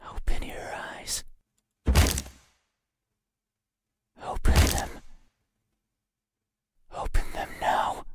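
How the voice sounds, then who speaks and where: A performer voicing an eerily gentle, obsessive demon in breathy, menacing, ASMR-like whispers for a horror game. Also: natural voice. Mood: frenzied demanding. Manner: slow, deliberate, menacing.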